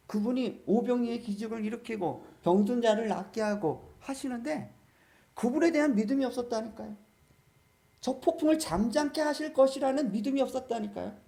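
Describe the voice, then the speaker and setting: Preaching from the pulpit, a pastor pelts his congregation with questions and calls for amens. His voice is very high, creaky, and mellow.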